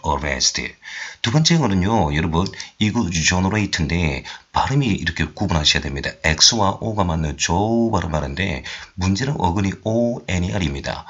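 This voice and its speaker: Low-voiced man teaching a lecture. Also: bright, forceful tone. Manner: explains word by word, reads English examples slowly. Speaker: English instructor. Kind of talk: recorded online lecture. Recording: roomy, dull lo-fi recording.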